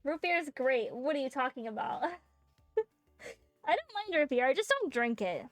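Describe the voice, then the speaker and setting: A woman's voice: sits high, very animated, normal speed, no room sound, soft background music. A woman streaming a game in casual chat, joking and rambling with many fillers, close to a desk microphone. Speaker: VTuber streamer.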